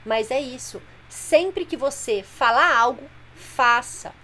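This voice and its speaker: A woman's voice: sits high, expressive, slow pace, sharp tone. A woman parenting coach talking directly to mothers on a live stream, explaining plainly and patiently. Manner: explanatory, plain-spoken, addresses viewers directly.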